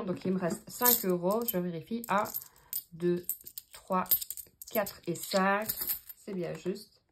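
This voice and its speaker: A woman's voice: mid-range voice, fairly bright tone. A woman with a Belgian French accent, chatting casually to her viewers while counting out her budget, thinking aloud with many fillers. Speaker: budgeting vlogger. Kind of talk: casual talk to camera.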